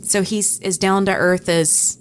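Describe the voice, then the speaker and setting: A woman's voice: medium pitch, fairly even intonation, unhurried, slight background noise. A middle-aged American woman co-hosting a show, sharing stories in casual conversation. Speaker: podcast co-host, radio personality. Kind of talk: casual chat.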